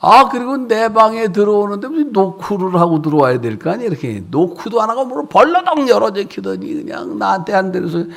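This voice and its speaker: Gravelly, animated revival preacher man. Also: high-pitched, fairly quick, few pauses. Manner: animated storytelling with acted voices. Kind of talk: revival sermon. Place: church sanctuary.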